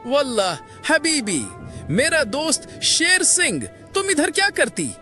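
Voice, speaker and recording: Lady doing an arab accent camel sheikh, cartoon, real slow, sing-song swoops, friendly, broken grammar. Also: high-pitched, sing-song, sharp tone, faint music behind, full character voice. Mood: astonished. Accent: Arab, put on. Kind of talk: animated moral-story cartoon voice acting.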